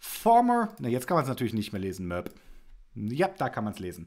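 A man's fairly quick speech, marked by vocal fry. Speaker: mobility podcaster. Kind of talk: casual podcast commentary. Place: home room. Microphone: headset.

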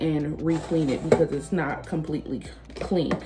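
Faint music plays in the background as a woman speaks at a moderate pace. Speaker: vlogger. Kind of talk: casual cooking vlog chat. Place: kitchen. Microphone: phone near.

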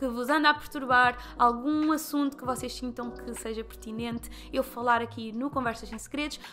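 Faint music plays in the background as a woman speaks at a high pitch and a moderate pace, with ordinary pitch variation. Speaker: podcast host. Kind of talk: casual podcast talk. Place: studio. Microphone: studio mic.

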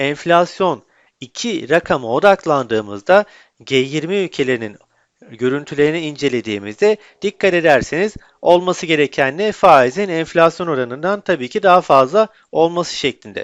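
A man with a fairly high pitch talks at a moderate pace with lively intonation. The sound is dry and close, with no echo. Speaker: financial market analyst. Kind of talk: market analysis video. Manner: hesitant fillers.

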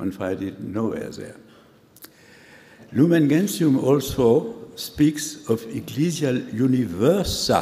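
The speaker has a French accent and lively intonation. Delivery is very slow, with big swings in loudness. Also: man. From France. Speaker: theology professor. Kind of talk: academic conference response. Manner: halting. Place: hall. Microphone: lapel.

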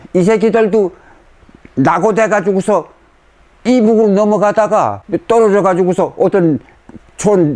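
A man with a high pitch speaks at a fairly slow pace with ordinary pitch variation, leaving long, frequent pauses over noticeable background noise. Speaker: war veteran. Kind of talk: interview answer.

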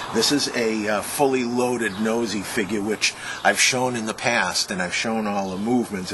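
Over noticeable background noise, the speaker goes at a moderate pace with fairly even intonation. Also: man. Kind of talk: tutorial. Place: garden. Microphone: phone near.

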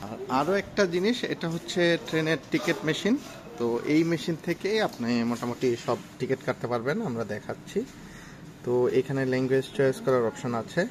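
The pitch swings very widely. Noticeable background noise runs underneath. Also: man. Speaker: travel vlogger. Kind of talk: casual vlog tutorial. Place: station. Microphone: phone near.

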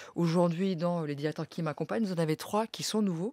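A woman speaks at a fairly quick pace in a fairly low pitch with ordinary pitch variation, the sound dry with no echo against a quiet background. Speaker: public radio executive. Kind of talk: live interview. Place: studio. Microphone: studio mic.

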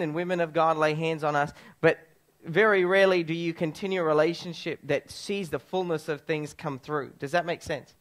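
A man speaks at a moderate pace with a high pitch. His intonation is fairly even, and the background is quiet. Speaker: guest preacher. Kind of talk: sermon. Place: church.

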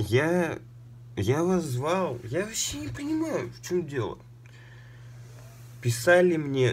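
Very slowly, a man talks in a whiny, somewhat breathy voice with a whiny tone and ordinary pitch variation. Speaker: vlogger. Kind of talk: casual vlog chat. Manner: drunk, whiny, near tears. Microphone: webcam.

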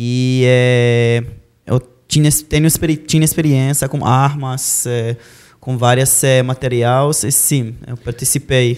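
Very slowly, a man speaks with monotone, flat intonation. The background is quiet. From Israel. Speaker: Hebrew teacher and musician; Hebrew teacher. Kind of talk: TV interview. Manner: halting, many filler hesitations. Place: studio. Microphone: handheld.

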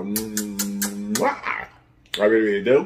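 A man speaks with ordinary pitch variation while music plays in the background. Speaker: food vlogger. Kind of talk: casual vlog chat. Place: home room. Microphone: phone near.

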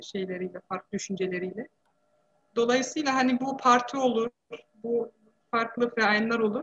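Her pitch moves in an ordinary way. The woman keeps her delivery at a moderate speed. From Germany (Turkish-origin family, Hesse). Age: 30s. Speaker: teacher and local election candidate; election candidate. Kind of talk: interview. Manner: hesitant, many fillers. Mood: friendly, smiling. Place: home room. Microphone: video call.

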